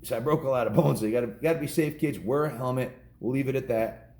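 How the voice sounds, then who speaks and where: A man's voice: mid-range voice, quick pace, a little mellow. A man in his fifties with an American accent reads aloud to children, storytelling in a folksy, informal way with casual asides and small self-corrections. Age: 50s. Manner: folksy, informal, often repeats and corrects himself. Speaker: storyteller reading a children's book to kids. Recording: roomy echo with faint background noise.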